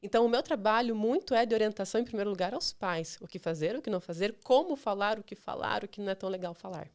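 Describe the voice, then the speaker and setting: A woman's voice: mid-range voice, quick pace, darkish tone. A woman with a Brazilian Portuguese accent, a child nutritionist guest, who explains patiently and reassuringly and often ends her points with "tá". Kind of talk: explanatory interview talk.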